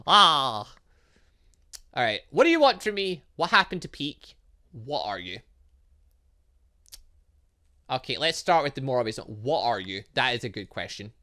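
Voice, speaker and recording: A man's voice: medium pitch, big pitch swings, unhurried, long pauses, sharp tone. A man hosting a game playthrough, reading dialogue aloud and commenting in a theatrical, exclamatory way. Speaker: gaming video host.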